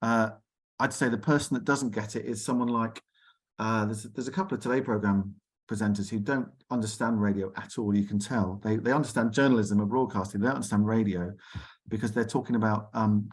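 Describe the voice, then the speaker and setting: A man's voice: on the low side, fairly even intonation, brisk, slightly rough. A man hosting an arts discussion on a video call in a chatty, enthusiastic way. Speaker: host.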